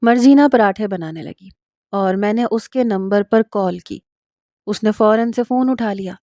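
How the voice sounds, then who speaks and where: A woman narrating a first-person story in a steady, even reading voice. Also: medium pitch, no echo, clean studio sound.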